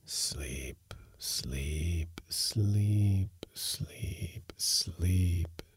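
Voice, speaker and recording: A man voicing a sinister chorus of disembodied spirit voices, chanting repeated words in a breathy hiss to lure a victim. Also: deep voice, sing-song, drawn-out words, full character voice. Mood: hypnotic, menacing. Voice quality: breathy, hissing whisper. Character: sinister whispering chorus of disembodied voices, luring toward death.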